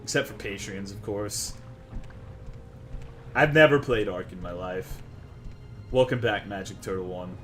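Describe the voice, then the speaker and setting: A man's voice: fairly low pitch, measured pace, pauses often, soft background music. A man from Texas, chatting crudely and jokingly with viewers while streaming a video game. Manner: brash, profane, joking with chat. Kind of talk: casual live gaming stream chatter.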